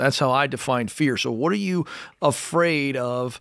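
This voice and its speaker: Pitch moves in an ordinary way at a fairly slow pace. The sound is dry, with no echo. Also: man, quiet background. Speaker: radio host. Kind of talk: call-in advice show. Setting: studio. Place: studio. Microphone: studio mic.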